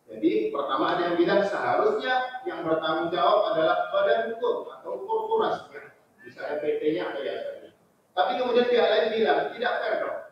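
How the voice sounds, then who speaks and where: A man giving a formal, measured answer as a doctoral candidate at his defense, pausing often with fillers. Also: on the high side. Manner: measured, hesitant with frequent "eh" fillers. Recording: distant, roomy, muffled with faint noise.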